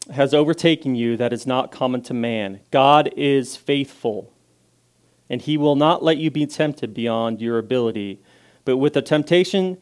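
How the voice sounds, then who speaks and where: Casting: man, guest preacher, loud and casual, clear and smooth tone. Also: medium pitch. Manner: loud, casual and self-deprecating, reads scripture with rising emphasis, prays softly. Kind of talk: informal sermon with scripture reading and prayer.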